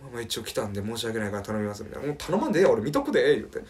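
Young man, Kansai accent, comedian storyteller, lively swooping voice, quick delivery. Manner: animated, acts out quoted voices with big pitch jumps. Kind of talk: casual storytelling chat. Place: podcast recording with friends.

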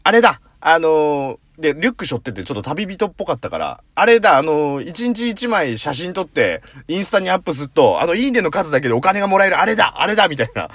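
Animated slangy man talking solo. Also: fairly high pitch, fast, hardly any pauses, no room sound. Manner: rough slangy storytelling with playful self-mockery; animated, jumps into acted-out voices. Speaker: podcast host. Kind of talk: casual solo talk monologue.

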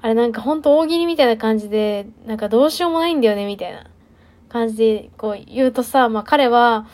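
Chatty young woman, fairly high voice. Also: lively intonation, quick pace, darkish tone. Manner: chatty, self-deprecating, many fillers. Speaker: podcast host. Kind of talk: casual solo monologue.

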